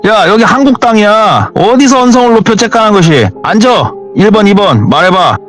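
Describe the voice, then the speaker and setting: A man voicing an angry middle-aged shop owner who barks rough commands at his staff. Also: medium pitch, fairly quick, faint music behind, natural voice. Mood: commanding. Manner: barking orders, rough and commanding.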